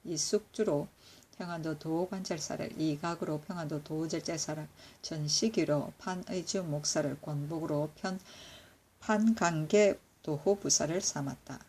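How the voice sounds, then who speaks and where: A woman reading historical court annals aloud in a steady, measured recitation, now and then correcting herself. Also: sits low, slight background noise. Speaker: reader of historical records.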